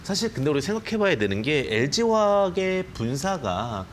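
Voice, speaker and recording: A man appearing as a stock expert on a TV show, explaining market outlooks quickly with many hedging phrases. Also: on the high side, big pitch swings, a crowd in the background. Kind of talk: TV stock analysis. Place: TV studio.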